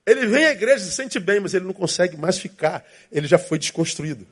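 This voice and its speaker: A man's voice: high voice, expressive, fast, husky. A man preaching a sermon as pastor, with emphatic repetition and inner voices acted out.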